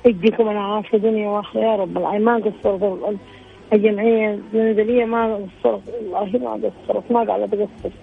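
A woman's voice: medium pitch, fairly even intonation, fast, creaky, a little hiss or hum. Tired older woman on a tinny phone line. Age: 60s. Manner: repeats prayers and blessings. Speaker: caller.

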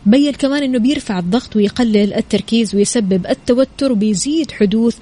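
A woman presenting a morning radio show in an upbeat, expressive, chatty way, talking straight to listeners. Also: a little high, fast, husky. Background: music bed under the voice.

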